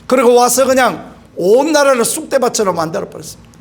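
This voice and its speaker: A middle-aged male pastor preaches in a high, light voice at an evening prayer meeting. His manner is earnest and pleading. He acts out voices from the story he tells and sometimes cries out with force. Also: animated, fast, slight background noise. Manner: earnest preaching, acting out quoted voices and crying out at times. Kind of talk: sermon.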